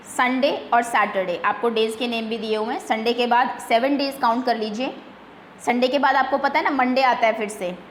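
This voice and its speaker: A high-pitched woman teaches young children through a quiz, patient and careful, repeating each word slowly. Her voice rings in an echoey room, with faint noise behind it. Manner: patient, repeats slowly, mixes English terms. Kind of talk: online quiz lesson for young pupils.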